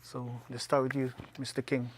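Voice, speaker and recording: Flat-voiced man co-moderator. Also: mid-range voice, moderate pace, a little hiss or hum. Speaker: forum co-moderator. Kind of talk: brisk forum moderation. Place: TV studio.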